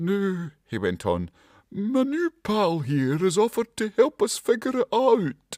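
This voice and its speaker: Putting on a character voice, a man speaks high-pitched at a fairly slow pace with very wide pitch swings, the sound dry and close with no echo on a very clean recording with a silent background. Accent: Scottish. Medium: read story.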